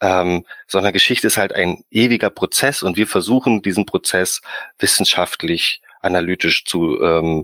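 The sound is dry and close, with no echo. Intonation is lively, and the pace is moderate. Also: man. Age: 30s. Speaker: university historian. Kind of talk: panel discussion. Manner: halting with many fillers.

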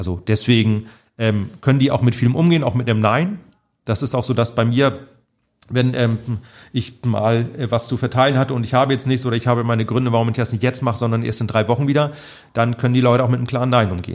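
Delivering his words at a very fast pace, a man uses a medium pitch and fairly even intonation. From Lower Saxony, northern Germany. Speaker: social worker. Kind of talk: interview. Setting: café.

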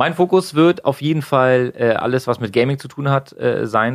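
With an unremarkable speaking voice, a man talks at a moderate pace and ordinary pitch variation. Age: 20s. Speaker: gaming streamer and stage moderator. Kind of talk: casual chat.

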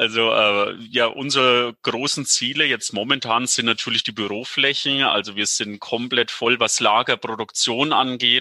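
With hardly any pauses, a man at medium pitch speaks fairly slowly and fairly evenly in a bright, sharp tone, recorded dry and close with no echo. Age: 30s. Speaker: business park manager. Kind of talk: casual interview.

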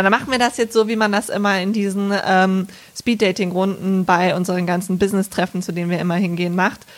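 A woman races along at a very fast pace, her pitch medium and her intonation fairly even. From Rhineland, Germany (Bergisch Gladbach). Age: 30s. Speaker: podcast co-host, biologist. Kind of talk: casual chat.

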